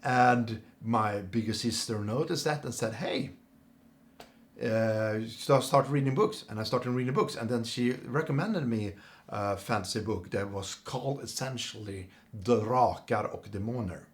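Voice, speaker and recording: A middle-aged Swedish man with a Swedish accent, speaking English as a second language, casually introducing himself to camera with many pauses and fillers. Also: medium pitch. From Sweden. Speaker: channel host.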